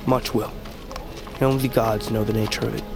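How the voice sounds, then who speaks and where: A young man playing a sharp-tongued, wryly cryptic tribal brother in an audio drama, dry and grave. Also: on the low side, flat delivery, fairly quick, gravelly, over music. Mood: wary, wry. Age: young adult.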